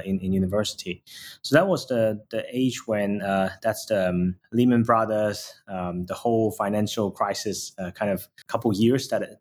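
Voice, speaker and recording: Male founder in his thirties from Hong Kong, fairly low voice, halting with lots of fillers. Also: darkish tone. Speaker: startup founder guest. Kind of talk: interview answers.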